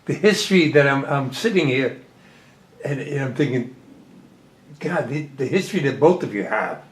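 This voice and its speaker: A man hosting a talk show, speaking haltingly, repeating himself and admiring his guests. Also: medium pitch, animated. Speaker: host. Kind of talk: casual talk show interview. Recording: roomy room sound.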